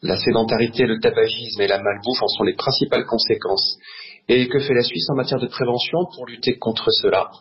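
Husky man on a recorded voice message. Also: mid-range voice, fairly quick. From French-speaking Switzerland. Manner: reads a prepared opinion, punchy and indignant. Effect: recorded voice message left on an answering machine. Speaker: listener leaving a message. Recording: dull lo-fi phone message.

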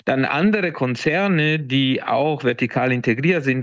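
A man's voice: mid-range voice, no room sound, dull audio. A man from Italy, a native Italian speaker, answering as an economist in a radio interview, hesitant with many fillers. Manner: hesitant, many ums and uhs.

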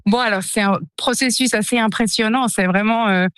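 A woman's voice: on the high side, brisk, a bit bright, clear, resonant tone, no room sound, studio quality. A woman from French-speaking Switzerland, a radio reporter, giving a spontaneous interview report. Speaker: radio foreign editor and reporter.

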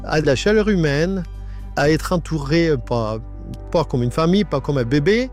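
A man in his nineties gives a halting personal testimony in a radio interview. His voice is disguised by an AI voice changer. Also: a little high, animated, a little mellow, soft background music. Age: 90s. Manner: halting, with many restarts and repetitions. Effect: voice altered by an AI voice changer.

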